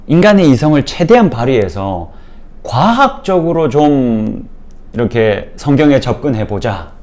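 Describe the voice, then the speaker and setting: A man's voice: mid-range voice, darkish tone. A man giving a Bible lecture to a church audience, explaining patiently and speaking straight to his listeners with frequent fillers. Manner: explanatory, addresses listeners directly, many fillers.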